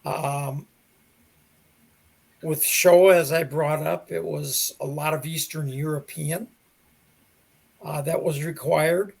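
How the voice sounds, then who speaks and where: A mature man answering interview questions as a theater director, in a measured, conversational way with pauses to think. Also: on the high side, fairly even intonation, vocal fry, slightly rough.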